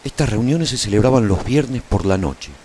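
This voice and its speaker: A man's voice: lowish voice, animated, moderate pace, darkish tone, slight background noise, natural voice. A male actor playing a weary, nostalgic warrior who survived the end of the world, narrating his saga in a solemn, theatrical radio drama style. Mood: grave, mysterious. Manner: solemn, brooding, theatrical delivery. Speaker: narrator and protagonist of a radio serial.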